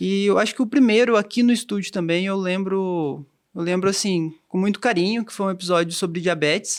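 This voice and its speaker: A man speaks at a fairly quick pace with a high pitch and a slight strong Minas Gerais accent. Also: ordinary pitch variation. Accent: slightly strong mineiro. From Minas Gerais, Brazil. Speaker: cardiologist and podcast co-host. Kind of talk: casual chat. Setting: studio.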